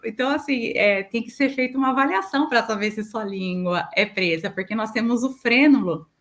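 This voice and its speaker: A woman's voice: fairly high pitch, brisk, fairly bright tone. A middle-aged Brazilian woman, a speech therapist, explaining patiently in an interview and giving examples.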